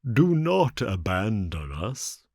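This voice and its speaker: A man voicing a sly old fox fallen into beggary, tearful and whining, begging in slow, drawn-out phrases. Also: lowish voice, big pitch swings, darkish tone, husky, no room sound, clean studio sound, full character voice. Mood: pleading.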